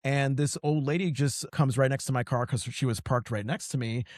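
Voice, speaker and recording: A man hosting a podcast, from Connecticut, telling stories in lively, casual conversation with frequent restarts. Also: medium pitch, brisk, no echo, studio quality. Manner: animated storytelling, frequent restarts. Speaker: podcast host.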